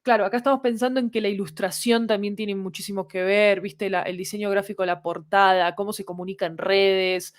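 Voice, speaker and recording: A woman's voice: mid-range voice, steady tone, a little fast, few pauses. A woman with a Latin American Spanish accent explains things in casual conversation, thinking aloud and often checking that the listener follows. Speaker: podcast creator guest.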